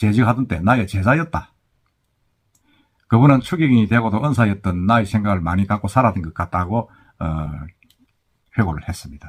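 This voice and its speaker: The recording is very clean, with a silent background. A man speaks at a medium pitch with lively intonation. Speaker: YouTube channel host. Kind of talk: spoken summary of a TV documentary. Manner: casual, with hesitations.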